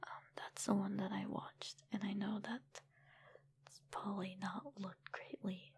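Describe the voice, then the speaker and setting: A woman chatting casually in a soft, breathy ASMR whisper, informal and rambling, close to the microphone. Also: medium pitch, level tone, a little slow, dry recording. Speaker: ASMR creator and streamer answering viewer comments.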